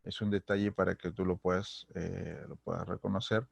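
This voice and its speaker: A Peruvian man with a Peruvian Spanish accent teaches a recorded secondary school grammar lesson. His deep, gravelly, husky voice comes at normal speed with a flat delivery, and the recording is dry. He explains patiently, repeating and restating terms and checking often that students follow with "¿sí?" and "¿listo?"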